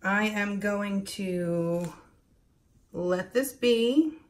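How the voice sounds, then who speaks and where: A woman's voice: mid-range voice, extremely slow. A woman with a Baltimore accent casually narrates a craft demonstration, thinking aloud in a hesitant, self-deprecating way. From Baltimore, United States. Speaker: host demonstrating acrylic pouring.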